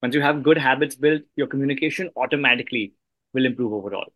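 A man's voice: mid-range voice, fast, a bit bright, no echo. A man hosting a casual interview, talking in an agreeable, explanatory way. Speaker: podcast host, interviewer.

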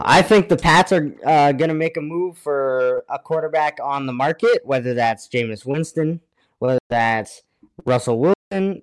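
Clear-voiced man with medium pitch. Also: rough recording. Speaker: podcast co-host. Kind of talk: casual sports analysis. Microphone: remote connection.

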